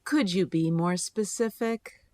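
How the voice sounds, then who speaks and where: An actress playing a stern, exacting schoolteacher, formal and pointed, in an audio drama. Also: female voice, on the low side, a little slow, dark tone, slight background noise, natural voice. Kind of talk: full-cast audio drama acting.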